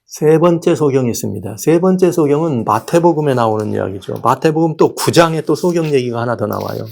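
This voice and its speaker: A male pastor giving a lively sermon, often putting rhetorical questions to the congregation. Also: medium pitch, fairly quick, creaky. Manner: animated preaching, asks rhetorical questions.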